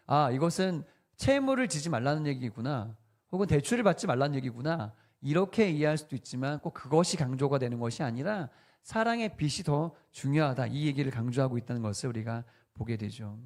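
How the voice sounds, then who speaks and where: A man preaching as pastor in a conversational sermon, asking the congregation questions and adding light humor. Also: on the high side.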